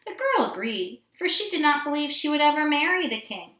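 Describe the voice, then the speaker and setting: Female children's storyteller, fairly high voice, expressive read-aloud, recorded in an echoey room. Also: a little fast. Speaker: storybook reader. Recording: roomy indoor echo.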